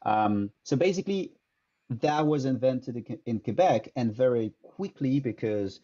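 An improv teacher in his thirties, French and with a French accent, gives thoughtful interview answers full of fillers and restarts. He sounds expressive and warm at medium pitch and normal speed. The dull, lo-fi audio comes from a headset on a video call in a small indoor room.

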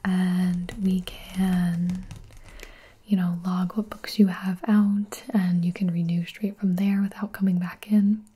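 Softly whispering young librarian played by a woman. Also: on the low side, little pitch movement, takes it slowly, full character voice. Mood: explaining, easygoing. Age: 20s. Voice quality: breathy. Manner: soft-spoken library whisper, gentle and casual. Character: friendly, chatty young female public librarian helping a new patron. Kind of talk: whispered role-play.

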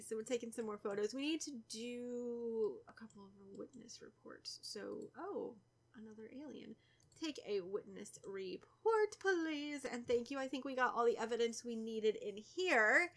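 A young woman with a cold, stuffy and a little raspy, chatting casually through a let's play and teasing the characters. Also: fairly high pitch, animated, unhurried, a bit bright. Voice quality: slightly raspy. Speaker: gaming YouTuber.

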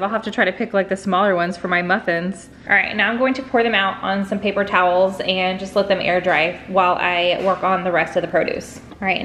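A woman's voice: mid-range voice, a bit bright, slight background noise. Chatty woman vlogging in her kitchen. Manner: chatty, addresses viewers directly. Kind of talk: casual kitchen vlog narration. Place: home kitchen, indoors.

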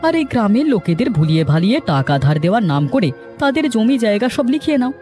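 A man's voice: high voice, sing-song, quick pace, darkish tone, faint music behind. A man voicing a greedy, scheming cartoon land broker, pushy and threatening. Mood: gloating, scheming. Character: scheming, greedy male land broker who bullies villagers. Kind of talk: dramatic cartoon voice acting.

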